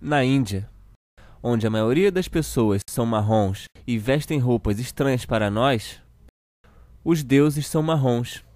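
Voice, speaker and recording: A man with a Brazilian accent playing a children's TV uncle who reads a storybook slowly and deliberately to children. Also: medium pitch, animated, darkish tone, no echo, studio quality, natural voice. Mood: storytelling. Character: children's TV show host uncle reading a satirical storybook. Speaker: storyteller host of a kids' show.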